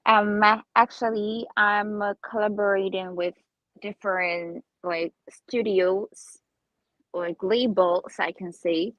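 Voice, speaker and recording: A woman in her twenties from Armenia, a native Armenian speaker, answering interview questions in halting English and searching for words. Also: mid-range voice, fairly even intonation, dry recording, muffled recording. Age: 20s. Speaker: singer guest.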